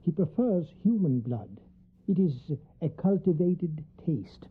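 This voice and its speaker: A woman playing a grave, commanding professor who hunts vampires, speaking formally and deliberately in a radio drama. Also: low voice, sing-song, slightly rough, full character voice. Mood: grave, explanatory. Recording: tinny, narrow band like phone line.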